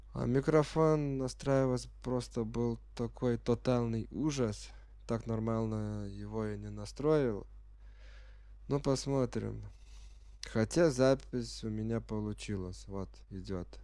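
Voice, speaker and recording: Sick male gamer, non-native speaker, hesitant first-timer, low-pitched, dry close sound. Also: gravelly, warm tone, no room sound. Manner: halting, unsure, non-native speaker fumbling for words; reads game menu text aloud while puzzling over it. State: sick with a virus. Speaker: gamer playing on camera. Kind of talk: unprepared first-time gameplay commentary.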